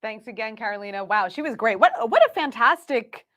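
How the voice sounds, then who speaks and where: Higher-voiced woman morning show co-host. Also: animated, a little fast, fairly bright tone. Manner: rambling questions with fillers. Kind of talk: morning TV interviewing.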